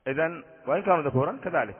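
A man's voice: on the high side, expressive, very fast, husky. A man, a sheikh, teaching an Arabic grammar lesson, quizzing his students and repeating each rule. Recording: tinny phone-like audio in a long-reverb hall.

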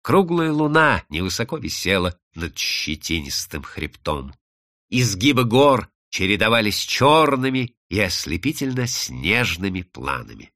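Lively low-voiced male storyteller. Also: unhurried, no echo, studio quality. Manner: expressive, dramatic storytelling with varied pace. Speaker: audiobook narrator. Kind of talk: scripted literary narration.

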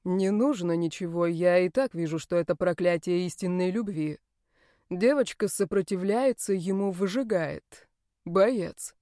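A woman voicing a calm, authoritative male healer in an audiobook, speaking in a measured, steady way. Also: on the low side, no room sound, clean studio sound, close to an everyday voice. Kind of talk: audiobook character voice.

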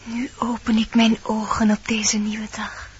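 A woman playing a gentle young fairy-tale bride in a radio play, declaiming verse lyrically and with care. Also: on the high side, completely flat delivery, measured pace, slightly rough. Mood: dreamy, awakening. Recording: dull old radio recording.

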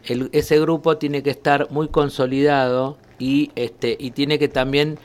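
A man, a guest on a radio show, explaining calmly and laughing easily. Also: a little high, unhurried. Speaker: guest, movement therapist. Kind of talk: casual radio interview. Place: radio studio.

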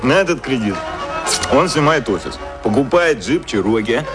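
An actor playing a brash, cynical advertising man in a radio play, explaining things in slangy, colloquial bursts with halting pauses. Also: mid-range voice, expressive, close to an everyday voice. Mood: wry, explanatory. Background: music.

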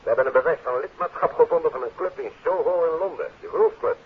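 Husky blunt police inspector. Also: male voice, on the high side, fast talker. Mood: blunt, businesslike. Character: gruff, businesslike male police chief inspector. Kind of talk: 1950s radio drama acting. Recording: phone-like muffled 1950s radio recording.

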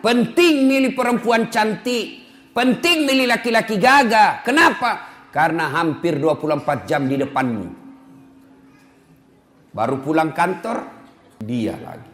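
A man preaching a sermon, lively, acting out everyday scenes and dropping to a hush for prayers. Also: fairly high pitch. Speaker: Islamic preacher. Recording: roomy hall reverb with faint noise.

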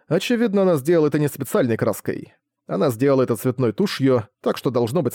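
A man reading a novel aloud in a measured, even first-person narration. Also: medium pitch, no room sound, studio quality. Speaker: audiobook narrator.

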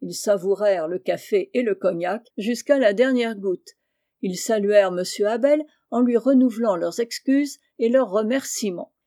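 A woman reading a classic novel aloud in a calm, measured way. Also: mid-range voice. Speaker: audiobook reader.

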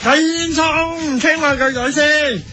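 A man playing a breezy radio show host who rushes through his questions, in a comedy radio drama. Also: very high-pitched, steady tone, pushed and bright, exaggerated voice. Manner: brisk, cuts his own questions short.

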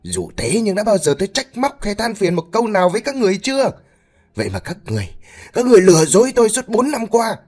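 Male narrator voicing an enraged husband in a spoken tale: loud, high, accusing, bitter. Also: big pitch swings, fairly quick. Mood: furious. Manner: shouting, accusing. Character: furious middle-aged husband, stern and bitter.

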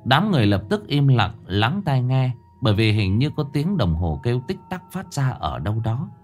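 A man narrating a horror story with a dramatic reading style, slowing down for suspense. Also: mid-range voice, very animated, a little mellow, soft background music.

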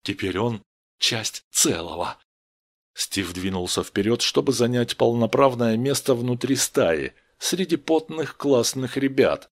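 A man reading a story aloud with expressive narration. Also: mid-range voice, unhurried. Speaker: audiobook narrator.

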